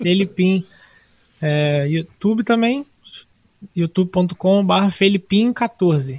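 A man's high-pitched voice at a very slow pace, with ordinary pitch variation, long, frequent pauses, and a dry, close sound with no echo. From Volta Redonda, Rio de Janeiro state, Brazil. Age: 20s. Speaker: rapper. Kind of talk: casual interview chat.

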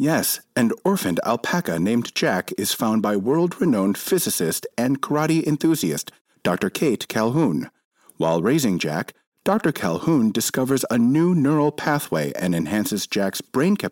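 A man at medium pitch does a put-on robotic character voice with very wide pitch swings at a moderate pace. The recording is very clean with a silent background.

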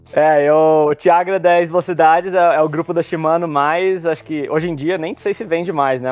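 This man talks at a fairly quick pace with noticeable background noise behind him. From Brazil, interior of São Paulo state (Piracicaba). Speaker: professional triathlete. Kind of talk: casual interview chat. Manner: halting, many fillers.

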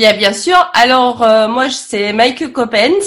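A woman with a high pitch delivers her words at a very slow pace. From Belgium. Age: 30s. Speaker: conversational UX designer. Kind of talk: interview.

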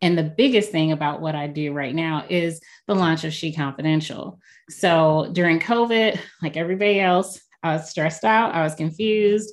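An unremarkable speaking voice belongs to a woman with an American accent. Her pitch is fairly low, with ordinary variation. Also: moderate pace. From St. Louis, Missouri. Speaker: women's community founder and attorney. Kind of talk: interview conversation.

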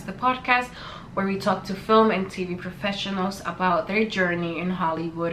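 A woman's pitch varies in an ordinary way while noticeable background noise fills the clip. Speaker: podcast host and filmmaker. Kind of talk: scripted intro. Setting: studio apartment in New York.

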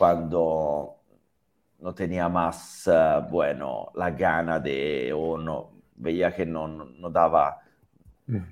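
In an Italian accent, a man talks at a very slow pace with long, frequent pauses. His voice is very deep and low, and his intonation is fairly even. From Italy. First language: Italian (speaking Spanish). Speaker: social entrepreneur. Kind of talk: interview. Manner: halting.

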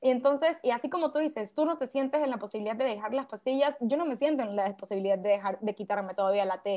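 A woman with a fairly high pitch and a dark, mellow tone speaks at a very fast pace. Her intonation is lively, with hardly any pauses. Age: 20s. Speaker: podcast host and lawyer. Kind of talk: casual chat.

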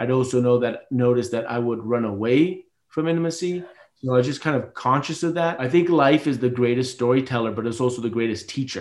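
A plain, everyday voice from a man, fairly quick in pace, medium in pitch, with ordinary pitch variation. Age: 40s. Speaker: founder of a creative studio, documentary filmmaker. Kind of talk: interview conversation.

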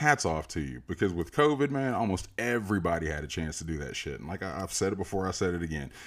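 Delivered at a very fast pace with hardly any pauses and very wide pitch swings, the speech sits on a very clean recording with a silent background. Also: man, very deep, low pitch for a man. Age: 40s. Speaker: podcast host and resin artist. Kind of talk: casual solo monologue. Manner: relaxed, frequent laughs and fillers.

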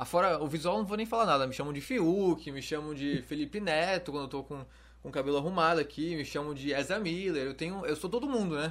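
A man with a fairly high pitch and an animated tone, at a fairly quick pace with hardly any pauses and ordinary pitch variation. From Santos, São Paulo state, Brazil. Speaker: YouTuber, interviewer. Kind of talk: casual chat.

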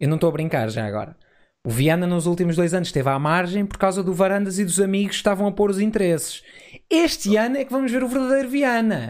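A high-voiced man at a very fast pace with very wide pitch swings, on a very clean recording with a silent background. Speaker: football fan podcast host. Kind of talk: casual live podcast chat. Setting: rooftop terrace.

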